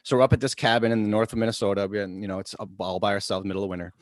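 A man co-hosting a podcast, chatting casually and telling stories in an animated way with many restarts. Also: lowish voice, racing. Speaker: podcast co-host. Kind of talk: casual chat, storytelling.

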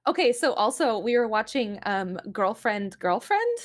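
A young woman chatting casually on a podcast in an animated, rambling way, full of "like" and exasperated storytelling. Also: on the high side, measured pace. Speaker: podcast co-host. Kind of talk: casual chat about games and anime.

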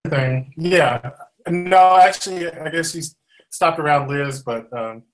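A man's voice: a little high, slow. A man co-hosting a talk show, speaking hesitantly while his voice comes through faint and broken over a weak online call connection. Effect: faint, breaking-up voice over a weak online call connection. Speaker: podcast co-host. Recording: faint distant call audio.

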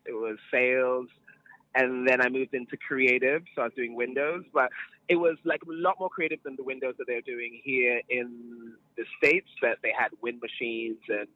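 A man's voice: medium pitch, fairly even intonation, moderate pace, no echo, narrow, tinny audio. A man with a transatlantic accent chats casually as an interview guest, playfully self-assured and full of anecdote. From born in New York, grew up across Europe and Sierra Leone. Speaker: celebrity wardrobe stylist, interview guest.

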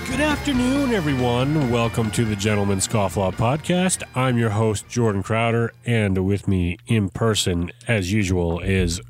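A man's voice: fairly low pitch, lively intonation, a little slow, hardly any pauses, music in the background. A man hosting a podcast in casual chat, stuffed up from a cold and laughing easily. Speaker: podcast host.

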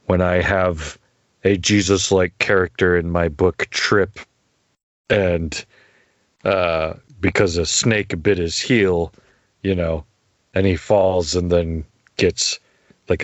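Deep-voiced man, casual podcast host. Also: slow, no room sound. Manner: relaxed, rambling with many fillers. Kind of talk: casual chat. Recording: dull lo-fi dry sound.

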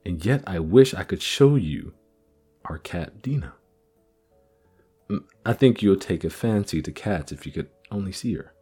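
A man's voice: sits low, animated, unhurried, warm tone, breathy edge, soft background music, full character voice. A man voicing a curious, polite young girl who chatters earnestly. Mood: soothing.

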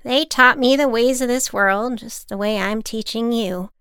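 A sharp-tongued old woman sneers and lectures, voiced by a woman reading a storybook. The tone is bright and cutting, very clear. It sounds dry and close. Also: a little high, a little slow, no echo, voice pushed up. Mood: grim. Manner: scornful, snappish, lecturing. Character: harsh scolding old woman, the Shears.

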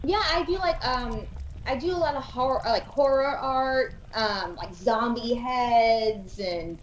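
A woman's voice: a little high, a little slow. A woman chatting casually as a guest artist on a show. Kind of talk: casual chat. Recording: very echoey room, faint noise.

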